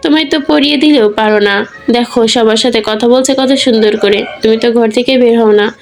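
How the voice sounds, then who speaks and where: A woman's voice: a little high, fairly quick, soft background music, natural voice. Woman voicing Bibijan, a scolding grandmother. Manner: harsh, scolding. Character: stern scolding old grandmother.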